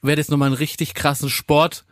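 A man's voice: on the high side, little pitch movement, brisk, no room sound, studio quality. A man chatting in casual comedic banter, slangy and joking.

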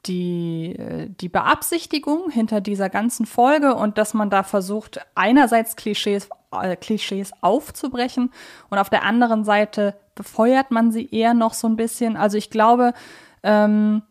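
A woman speaks as a podcast co-host in casual, reflective conversation. Her pitch sits in the middle of the female range. She pauses to find the right word and often rephrases what she has begun. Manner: hesitant, searching for words, self-correcting. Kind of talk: casual analytical podcast chat.

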